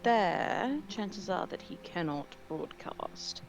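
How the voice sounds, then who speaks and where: A woman's voice: fairly low pitch, expressive, takes it slowly, vocal fry, background noise. A woman talking casually as a player in a tabletop roleplaying game.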